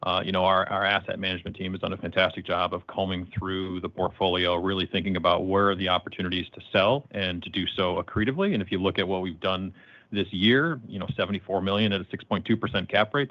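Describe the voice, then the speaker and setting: Exec guy on an earnings call, talks quick and pretty flat, bit muffled. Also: deep voice, dry recording. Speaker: company executive answering questions. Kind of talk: earnings call answer, conversational business talk.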